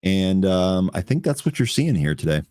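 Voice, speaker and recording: A man co-hosting a live trading show, calling out tickers and chart levels in brisk, quick succession. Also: sits low, very animated, dark tone, dry recording, clean studio sound. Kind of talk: live market commentary.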